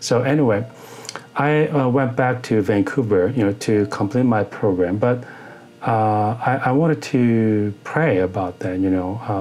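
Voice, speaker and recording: A man with a Korean accent, medium pitch, lively intonation, a fairly slow pace and very even loudness. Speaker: pastor. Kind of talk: interview testimony. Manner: halting, many fillers.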